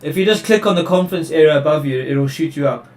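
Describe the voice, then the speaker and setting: A man's voice: on the high side, fast, a little mellow, echoey room, distant mic. A man from Wales hosting a casual team video call, chatty and upbeat, guiding people around. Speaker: host.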